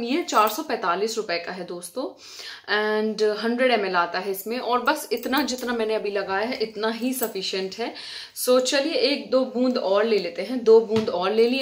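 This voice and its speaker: A woman from India giving a casual, chatty hair-care tutorial at home, talking straight to her viewers as friends. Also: medium pitch. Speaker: beauty vlogger. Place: indoors at home, fan switched off.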